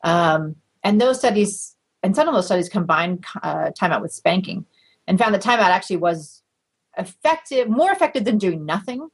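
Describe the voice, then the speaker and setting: A middle-aged woman, a researcher, explaining findings in a measured, conversational way during an interview. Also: medium pitch, animated, breathy edge, low-quality recording. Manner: measured, explanatory, with light laughs and fillers. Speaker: research guest.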